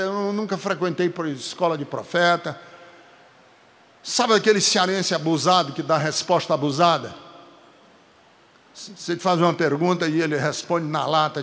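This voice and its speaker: Brazilian male preacher, high-pitched, slow deliberate sermon delivery, emphatic, long hall reverb. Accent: Brazilian Portuguese. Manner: emphatic, building to forceful peaks, with chatty asides to the congregation.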